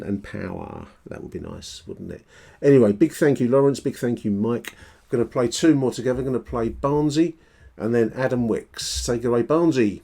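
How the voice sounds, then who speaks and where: A man hosts a casual football podcast. His voice sits fairly low, with noticeable fry and a dark, relaxed tone. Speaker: podcast host.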